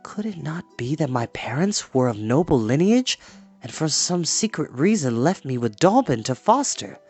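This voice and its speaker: A storybook reader playing an earnest, resolute young man on a quest, speaking in a measured, solemn way. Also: mid-range voice, sing-song, a little mellow, husky, soft background music. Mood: earnest, hopeful. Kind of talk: storybook character reading.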